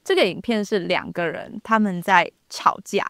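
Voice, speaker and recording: A woman from Taiwan who teaches Chinese, chatting casually as a podcast guest and swooping up in pitch when she quotes people. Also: moderate pace, no room sound, clean studio sound. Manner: expressive, swoops up when quoting. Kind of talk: casual chat.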